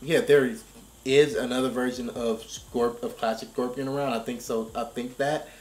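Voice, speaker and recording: An American man in casual discussion, thinking aloud in a halting, emphatic way and often repeating himself. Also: mid-range voice, steady tone. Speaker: reaction show host. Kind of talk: casual chat, video game story discussion. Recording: roomy, echoing space.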